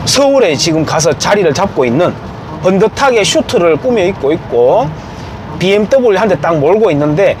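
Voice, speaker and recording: A man's voice: sits high, sing-song, normal speed, background noise. A man giving an informal, emphatic opinion monologue. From Gyeongju, South Korea. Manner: emphatic, acts out quoted remarks. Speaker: commentator.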